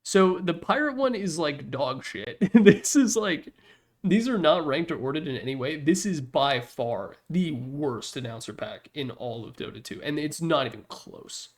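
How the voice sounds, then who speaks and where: In an unhurried, expressive, fairly high-pitched voice, a man hosts a ranking of game announcer packs. His commentary is casual and rambling, blunt and candid, peppered with swearing, and recorded on a Yeti desktop microphone in his room.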